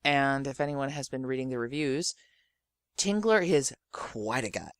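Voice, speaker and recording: A woman's voice: very deep voice, a little slow, no echo. A woman hosting a podcast, giving an introduction in a theatrical, effusive storytelling manner. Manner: theatrical, effusive, quotes others in acted voices. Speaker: podcast host and audio drama creator.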